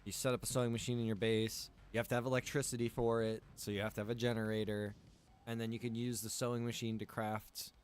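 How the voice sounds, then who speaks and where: A man's voice: lowish voice, flat delivery, fast. A man talking casually and easily to viewers as he hosts a live gameplay stream, chatty and direct. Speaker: game streamer and server admin.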